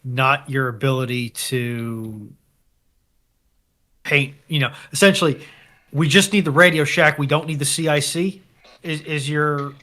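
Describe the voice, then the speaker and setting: A man in a casual panel discussion, speculating in halting, broken phrases as he thinks aloud. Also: fairly high pitch, bright, forceful tone. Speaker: panellist on live discussion stream.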